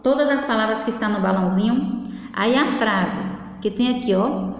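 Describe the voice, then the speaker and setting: A woman's voice: fairly high pitch, moderate pace. A woman teaching a class for young children, in a patient sing-song manner that keeps prompting them to look. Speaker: primary school teacher. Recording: echoey, reverberant room.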